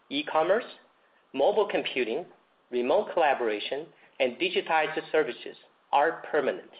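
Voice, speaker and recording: Man reading formally on dull lo-fi audio. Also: mid-range voice. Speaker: company executive. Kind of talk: scripted earnings call presentation, read aloud. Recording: dull lo-fi conference call audio.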